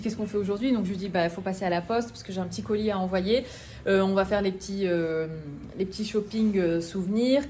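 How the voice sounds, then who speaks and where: A woman's voice: medium pitch, darkish tone, slight background noise. A woman in her thirties from northern France, chatting and confiding to camera in a casual vlog, with many fillers. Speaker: vlogger.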